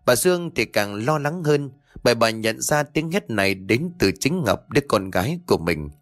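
A man narrating a ghost story in a steady, suspenseful storytelling voice. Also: mid-range voice, normal speed, dry recording. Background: faint music.

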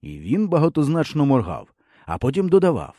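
A man reading a first-person novel aloud with expressive storytelling. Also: fairly high pitch, fairly quick, dry recording, clean studio sound. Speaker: audiobook reader. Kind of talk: audiobook narration.

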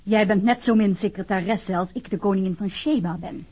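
An actress playing a tough, sardonic vice squad policewoman with a husky voice in a radio crime drama. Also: mid-range voice, brisk, warm tone, lightly acted. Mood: mocking, assured. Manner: sardonic, unyielding.

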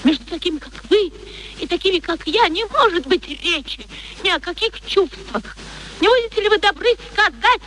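A defiant young flower girl from an old radio play. Her voice is strikingly high and animated, with a sharp edge. She speaks with hurt pride and pointed formality. The recording carries light noise. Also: normal speed, full character voice, poor audio. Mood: icily polite. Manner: theatrical, pointedly formal, emotional. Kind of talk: Russian radio play acting.

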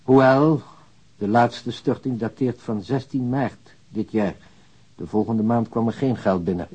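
An actor playing a formal, officious male bank official in a radio play, husky. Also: medium pitch, a little slow, mellow, rough recording.

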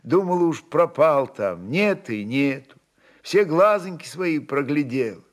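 A man's voice: a little high, lively intonation, unhurried, pitched above the performer's own voice. A man voicing a devoted Cossack wife in a storybook reading, tearful and lamenting, with folksy, reproachful tenderness. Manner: folksy, lamenting, endearing words. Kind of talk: dramatic literary reading.

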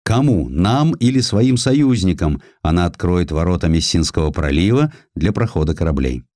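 Man voicing gruff British warship commander, lively pitch. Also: moderate pace, no room sound, studio quality. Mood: gloomy.

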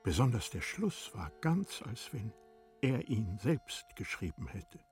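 A man narrating a literary audio drama in a measured, expressive storytelling manner. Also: fairly low pitch, faint music behind.

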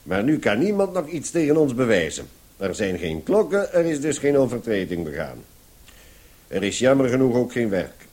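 An actor playing a cheeky, mock-polite gang leader under arrest, unbothered, in a comic radio play. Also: male voice, medium pitch, very animated, normal speed, a little mellow.

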